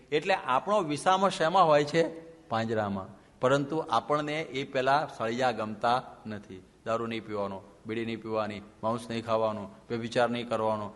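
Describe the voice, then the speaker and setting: A man, a monk, giving a lively sermon full of rhetorical questions and mixing in English phrases. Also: medium pitch. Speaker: monk preacher. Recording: long hall reverb.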